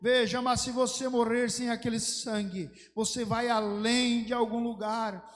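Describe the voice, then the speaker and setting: High-voiced pastor preaching. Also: male voice, fairly even intonation, measured pace. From Brazil. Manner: fervent storytelling preaching that swells into emphatic exhortation. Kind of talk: sermon. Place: church sanctuary. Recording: long church hall reverb.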